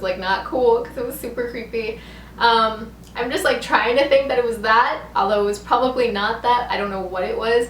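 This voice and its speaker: A woman's voice: on the high side, fairly bright tone. A young woman vlogger telling a story in a casual, chatty, rambling way, saying "like" a lot. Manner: rambling, heavy use of "like". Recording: echoey room with background noise.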